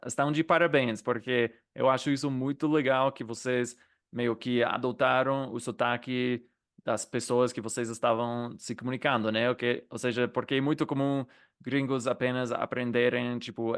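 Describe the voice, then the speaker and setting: Give me a man hosting a relaxed interview, mid-pitched, peppering questions with fillers. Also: moderate pace, clear, resonant tone. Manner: friendly questioning with many fillers. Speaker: host and interviewer. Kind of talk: casual interview.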